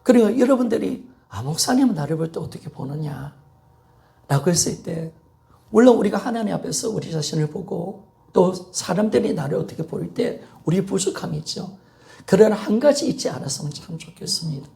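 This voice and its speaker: A man's voice: sits high, expressive, fairly quick, gravelly, mellow. A man in his fifties preaching a Sunday sermon in a church with passionate repetition and calls for an amen. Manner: impassioned preaching with repetition and call-and-response. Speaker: pastor.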